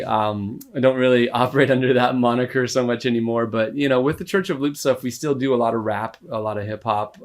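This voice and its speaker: A man in his thirties with an American accent, chatting casually as a podcast guest, relaxed and rambling, with many fillers and frequent laughs. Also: mid-range voice. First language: English. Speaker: musician guest. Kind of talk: casual interview talk.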